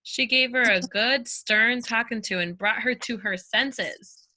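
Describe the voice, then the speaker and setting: A woman's voice: a little high, a little slow, sharp tone, poor audio. A woman playing an opinionated actress trading boastful anecdotes with friends in a comedy sketch, matter-of-fact and punchy.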